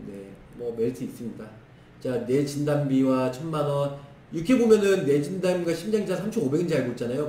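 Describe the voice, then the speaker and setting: A hoarse man in his thirties runs through insurance coverage in brisk, clipped phrases. He sits back from the mic in an echoey room. A faint hiss stays under his voice. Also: mid-range voice, darkish tone, distant mic. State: hoarse, strained throat. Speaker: insurance product explainer. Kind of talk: screen-share product walkthrough. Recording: roomy echo, voice off-mic with faint noise.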